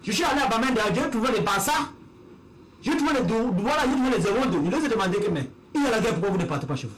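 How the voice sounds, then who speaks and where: A high-voiced man speaks, arguing emphatically in a televised debate. He hammers his point home, circling back to the same phrases, with faint background noise beneath him. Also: lively intonation, racing. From Cameroon. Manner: forceful, repetitive, emphatic. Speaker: panel guest. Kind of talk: heated TV debate.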